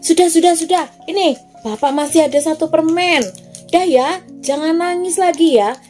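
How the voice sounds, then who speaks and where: A woman's voice: very high-pitched, normal speed, a little mellow, faint music behind, voice pushed up. A woman voicing a kindly, fussing man who coaxes a crying child, repeating his exclamations in a flustered way. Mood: coaxing.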